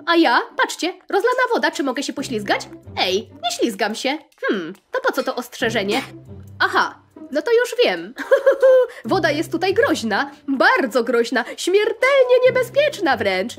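A young woman with a very high, lively voice gives playful commentary as she plays a game. She talks in a cheerful, bouncy way, full of exclamations and little rhymes. Light music plays behind her. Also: normal speed. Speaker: gaming channel host. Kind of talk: playful Roblox gameplay commentary.

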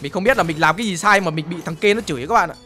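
A young man giving excitable live gameplay commentary, full of exclamations and brash trash talk aimed at opponents. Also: high voice, very fast, soft background music. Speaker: gaming streamer.

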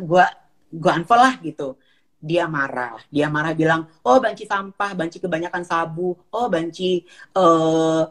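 A woman chatting on a livestream, animated and repetitive, often mimicking others in a higher voice. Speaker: livestream guest. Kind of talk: casual livestream chat.

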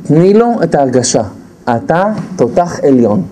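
A man lectures a crowded hall in a lively, high-set voice that swoops widely as he talks. He keeps slipping into quick acted-out lines for husbands and wives and hammers his points by repeating them. The audience is clearly audible around him. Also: crowd noise. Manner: animated, acts out spouses' lines in quick put-on voices; repeats key phrases for emphasis. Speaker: lecturer on marriage. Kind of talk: humorous lecture to a live audience. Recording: live audience audible in the background.

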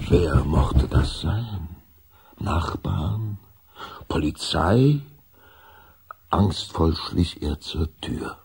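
A storyteller for a children's vampire audio play, very husky and low. He narrates slowly, with lively swings of pitch. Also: heavily acted. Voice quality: gravelly, husky.

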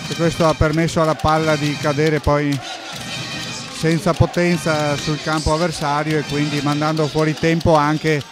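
A man's voice: fairly high pitch, level tone, moderate pace, music in the background. A man co-commentating a live volleyball match, explaining plays in an analytical, explanatory way.

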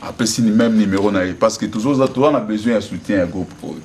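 A gospel singer answering interview questions in an earnest, appealing way. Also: male voice, on the low side, fast. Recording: distant mic with loud noise.

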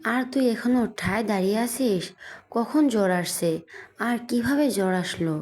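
A woman's voice: fairly high pitch, natural voice. A woman voicing a middle-aged mother who scolds her grown son in an audio story. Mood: scolding. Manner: sharp, nagging, quick scolding questions.

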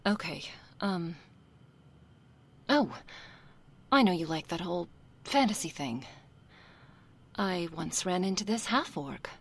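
A woman voicing a nervous, sheepish young succubus in a soft, hesitant ASMR role-play. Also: lowish voice, lively intonation, slow, pauses often, full character voice. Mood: sheepish, affectionate. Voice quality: soft, husky, breathy. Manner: hesitant, flustered, succubus-like soft intimate delivery. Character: nervous young female succubus, reluctant, sheepish, affectionate daughter.

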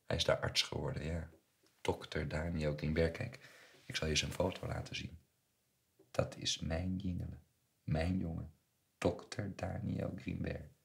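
A man's voice: deep voice, flat delivery, measured pace, gravelly, fairly bright tone, full character voice. A man voicing a small Jewish shopkeeper in his sixties who mixes Dutch with French and Yiddish. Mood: confiding. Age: 60s. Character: small Jewish shopkeeper around sixty, salesmanlike war survivor.

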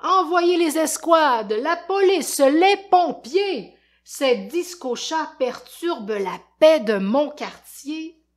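Québécoise qui joue un voisin grincheux et furieux, aboie ses ordres, conte pour enfants. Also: female voice, mid-range voice, animated, slow pace. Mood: furious. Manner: shouting orders, indignant. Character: grumpy sleepless man, angry neighbor.

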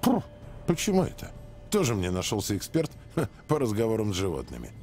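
A man's voice: on the low side, huge pitch swings, fairly quick, a little mellow, soft background music. A man voicing a talking young female horse in a video game, sarcastic, bossy and theatrical, devoted to her rider. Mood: sardonic. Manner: wry, theatrical, teasing. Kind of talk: video game dialogue acting.

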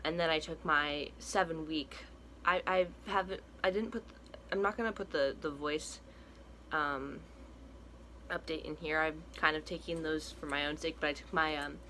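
Speaking at a moderate pace, the vlogger has a fairly high, sharp-toned voice with fairly even intonation, and there's slight background noise. He's a young trans man giving a chatty home update from a small indoor room, rambling with lots of fillers and restarts as his voice cracks at times.

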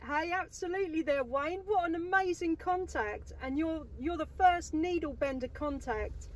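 Enthusiastic female CB operator, high-pitched voice, chatty call-sign exchanges, slight noise. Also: normal speed. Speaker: amateur CB radio operator. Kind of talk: radio contact chat with call signs. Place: inside a parked car.

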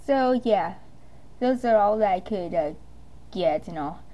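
A woman's voice: mid-range voice, animated, unhurried, dull audio. A woman talking casually and a little hesitantly as an amateur voice actor introducing her audition.

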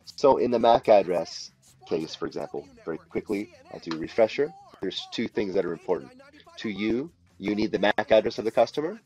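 Deep-voiced man giving a software tutorial. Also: lively intonation, breathy edge, poor audio. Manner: deliberate, instructional, explains step by step. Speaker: tutorial presenter. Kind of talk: unscripted step-by-step software walkthrough. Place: voice-over for a screen recording.

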